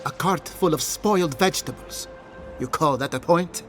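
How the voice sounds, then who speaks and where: A man's voice: on the high side, normal speed, fairly bright tone, faint music behind, natural voice. A man playing an officious, cautious governor in a fantasy video game, formal and condescending. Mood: dismissive. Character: officious, cautious male governor, haughty but protective. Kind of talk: video game character acting.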